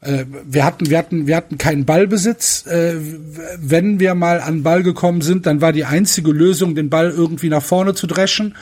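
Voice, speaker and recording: A man's voice: a little high, steady tone, moderate pace, few pauses, darkish tone. A man hosting a casual podcast chat, venting at length with frequent hesitations and restarts. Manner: frustrated rant full of fillers and restarts. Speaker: podcast host.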